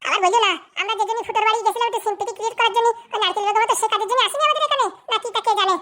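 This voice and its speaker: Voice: very high-pitched, racing, bright, forceful tone. A performer voicing a scheming, bossy cartoon mother who scolds and argues. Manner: scolding, argumentative. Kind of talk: comedy cartoon dialogue.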